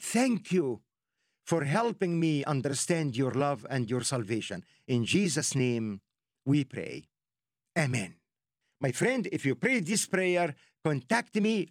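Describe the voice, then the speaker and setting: Higher-pitched Egyptian man preaching. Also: dry recording, studio quality. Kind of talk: radio sermon with prayer.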